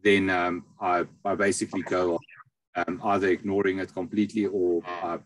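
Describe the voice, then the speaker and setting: A man explaining his practice as an interview guest on a video call, often pausing mid-phrase. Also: low voice, little pitch movement, no room sound, rough recording. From South Africa. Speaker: interview guest, astrologer and palm reader.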